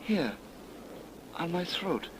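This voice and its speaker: An actor playing a weak, dreamy young man with faint, halting speech in 1930s radio drama style, on a noisy old recording. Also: fairly high pitch, sing-song. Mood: weak, puzzled.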